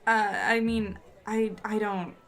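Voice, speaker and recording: A woman's voice: medium pitch, fairly even intonation, slow pace. A woman playing an awkward, smitten newspaper editor in a fiction podcast, with a hesitant, stammering delivery. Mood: nervous, reluctant.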